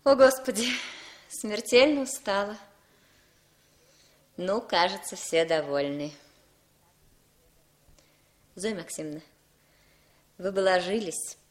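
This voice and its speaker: An actress playing a young woman who speaks in a brisk, firm, commanding way in a 1960s radio drama. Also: medium pitch, close to an everyday voice.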